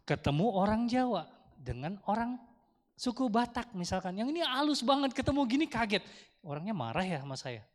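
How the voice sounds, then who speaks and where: Male speaker with an Indonesian accent, higher than typical, chatty and engaging with the room, miked in a reverberant temple hall. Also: a little fast. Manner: lively, chatty, asks the audience questions. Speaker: Dharma talk speaker. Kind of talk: casual Dharma talk to a temple congregation. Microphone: handheld microphone through speakers.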